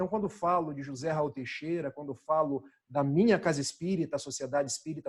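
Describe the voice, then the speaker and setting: This man has a fairly high pitch and a somewhat breathy voice, speaking at a moderate pace with ordinary pitch variation. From northern Rio de Janeiro state, Brazil. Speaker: spiritist lecturer. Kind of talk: religious study discussion.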